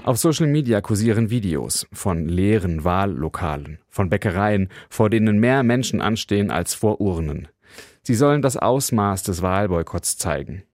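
A man reading a scripted radio news report in an even, formal manner, also voicing translations of interviewees. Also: lowish voice, normal speed, dry recording, studio quality. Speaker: radio correspondent.

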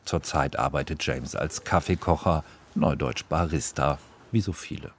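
A man's voice: rumbling low, moderate pace, slight background noise. A man narrates a scripted radio feature as a reporter, in short descriptive sentences.

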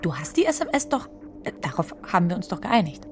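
An urgent, panicky friend. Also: female voice, lowish voice, big pitch swings, fast talker, darkish tone, faint music behind. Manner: urgent harsh whispering. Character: panicky young woman, friend covering up a death. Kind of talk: radio play acting.

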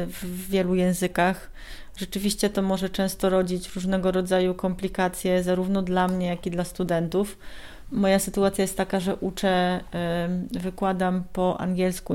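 A woman from Poland, a university lecturer, answering interview questions thoughtfully with hesitant pauses. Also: fairly low pitch, mellow.

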